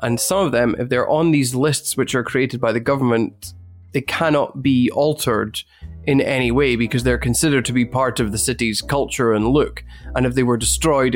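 A man from Scotland co-hosting a conversational English lesson, giving measured, dry explanations with careful hedging. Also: medium pitch. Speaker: co-host and English teacher.

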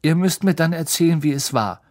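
A man voicing a guarded teenage wizard who speaks in a bitter, low-key way. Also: lively intonation, brisk, a little mellow, lightly acted.

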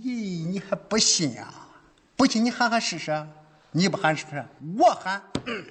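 A man's voice: sits high, animated, normal speed, a bit bright, a little hiss or hum. An actor playing a boastful, blustering male mountain bandit in a TV sitcom. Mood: menacing. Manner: blustering, wheedling, then cowardly. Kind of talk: TV sitcom acting.

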